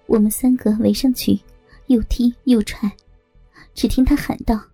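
A woman narrating a novel in the first person as an audiobook, steady and even. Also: a little high, unhurried, creaky, dry recording, soft background music.

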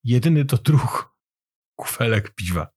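A man's voice: medium pitch, expressive, a little slow, darkish tone, husky. A man voicing an Irish man proudly reciting a poem about beer in a storybook reading. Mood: declaiming. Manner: declaiming verse.

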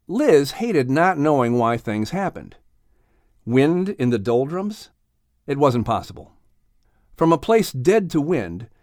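A man narrating a children's animal story as an audiobook reader, in an expressive scripted storytelling style. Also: on the high side, no room sound, studio quality.

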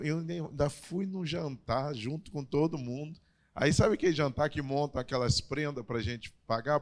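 Hoarse-edged Brazilian preacher man. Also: on the high side. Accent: Brazilian Portuguese. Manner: conversational, building up energy when storytelling. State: voice still recovering, slightly hoarse. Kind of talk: sermon.

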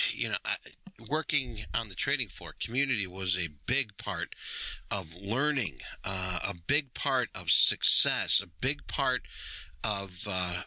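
A male podcast host chats casually in a sharp, forceful voice with lively swings in pitch. He is halting at times and repeats phrases for emphasis. The sound is close and dry. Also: dry recording, low-quality recording. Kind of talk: casual interview chat.

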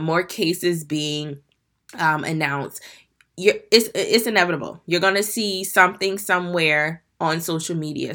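A woman's voice: low voice, pushed and bright. A young adult woman hosting her own podcast, sounding stuffy and congested from allergies, coaching her listeners earnestly and calling them "you guys". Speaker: podcast host. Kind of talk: solo podcast talk to listeners.

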